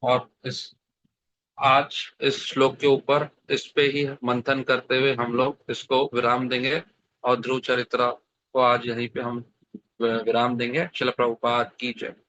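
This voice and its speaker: A man's voice: mid-range voice, monotone, slow pace, a bit bright, no echo. Man preaching over a dull, dry call line. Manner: storytelling, asks the audience questions. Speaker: scripture speaker. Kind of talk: devotional sermon in Hindi. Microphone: online video call. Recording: dry, slightly dull online call audio.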